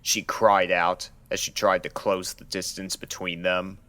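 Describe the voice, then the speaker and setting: A man narrating a scripted horror story in a measured, dramatic storytelling manner. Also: deep voice, little pitch movement, fairly bright tone, no echo. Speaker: narrator of fan fiction readings.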